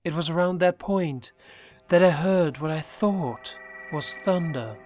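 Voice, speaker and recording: A man reading a first-person horror story aloud, measured, dropping low and quiet at the tense parts. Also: soft background music. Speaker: narrator. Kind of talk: scripted horror story narration.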